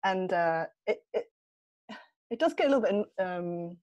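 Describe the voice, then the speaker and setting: Here the young English podcast guest has a fairly low pitch and talks a little slowly. The interview is laid-back, and she often laughs, says um, and restarts her sentences.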